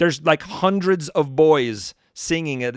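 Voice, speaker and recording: On a very clean recording with a silent background, a man speaks in a fairly high voice. His tone is animated and his pace moderate. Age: 40s. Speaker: songwriter and drummer livestreaming. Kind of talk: casual livestream chat.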